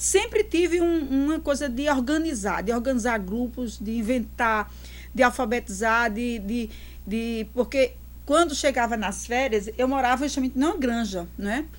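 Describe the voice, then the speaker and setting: A woman with a high pitch talks fairly slowly, her pitch varying in an ordinary way. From Paraíba, northeastern Brazil (João Pessoa). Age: 60s. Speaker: psychologist and human rights educator. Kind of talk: interview testimony. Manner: halting, with frequent repetitions.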